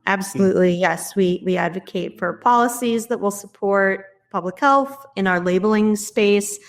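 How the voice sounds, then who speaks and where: A woman with a middle-range voice speaks as an interview guest. She answers in a clear, measured and explanatory way, like an expert walking through her work. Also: medium pitch. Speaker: policy scientist guest.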